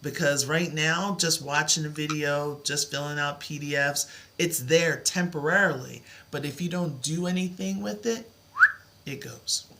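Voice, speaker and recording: A woman's voice: deep voice, unhurried, background noise. A middle-aged woman teaching a live math lesson, with a soothing voice and an encouraging, reassuring way of talking. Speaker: math tutor.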